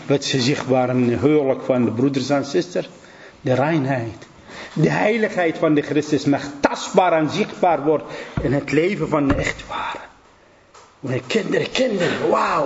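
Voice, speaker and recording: A man preaching a sermon with passion. He swings from low, earnest talk to high, ringing exclamations and uses simple phrasing with repeated short phrases. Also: a little mellow. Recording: dull lo-fi recording with faint noise.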